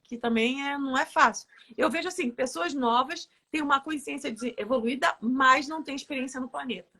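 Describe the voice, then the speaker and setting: Woman guest, high and bright, lively chatty storyteller in a relaxed live interview. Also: fairly quick. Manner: lively storyteller, laughs often. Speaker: therapist guest. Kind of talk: casual interview chat.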